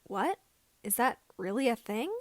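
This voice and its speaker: A woman's voice: on the high side, animated, a little slow, no room sound. A woman voicing an eager young farm boy mechanic in a story, gushing and enthusiastic. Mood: excited, grateful.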